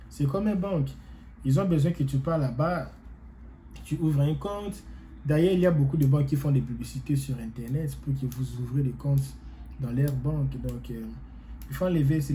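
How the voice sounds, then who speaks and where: Non-native French-speaking man vlogging advice, very dark mellow tone, rambling and repetitive, faint room noise. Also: mid-range voice. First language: not French. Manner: rambling, repeats himself, many hesitations. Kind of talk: casual advice talk to viewers.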